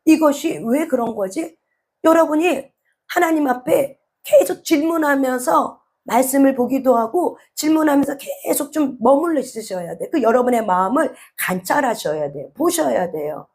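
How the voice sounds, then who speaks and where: A woman pastor preaching a sermon, asking the listeners questions and rising to shouts at times. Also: high voice, lively intonation, normal speed.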